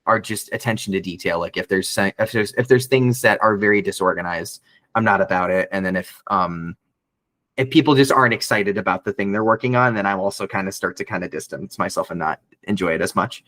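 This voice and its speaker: This voice actor guest speaks a little fast in a casual interview, rambling with plenty of restarts and fillers. His slightly bright voice holds some bass, and there's no room sound.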